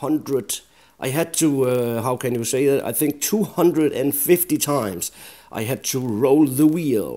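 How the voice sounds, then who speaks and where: A very slow pace and lively intonation, with a Danish accent. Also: man. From Denmark. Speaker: gaming YouTuber. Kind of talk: game commentary.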